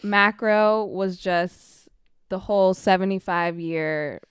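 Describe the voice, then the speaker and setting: A woman's voice: medium pitch, slow, clear, resonant tone, no echo. A woman co-hosting a basketball podcast from her townhome, talking in an easygoing way and laughing often. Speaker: podcast co-host. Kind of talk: casual chat. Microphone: podcast mic.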